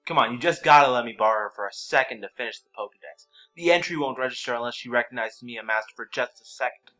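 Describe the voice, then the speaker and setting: A man's voice: mid-range voice, fast talker, pushed and bright, faint music behind, lightly acted, poor audio. A man playing a pushy, eager young brother in an audio drama, wheedling and insistent. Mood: pleading, insistent.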